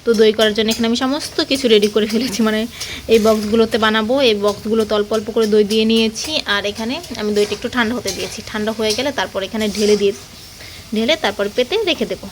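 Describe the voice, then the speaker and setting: A woman's voice: a little high, level tone, racing. Young woman vlogging over background noise. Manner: chatty, sometimes hushed to a near-whisper. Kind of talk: casual vlog narration. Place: family home. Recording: noisy home video with background noise.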